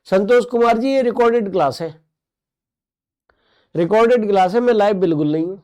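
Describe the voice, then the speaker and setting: A man leads an online exam-prep lesson in a high but mellow voice. He jokes along with students' comments, then drills terms by repeating them and asking quick questions. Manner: playful, joking with students' comments. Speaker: teacher.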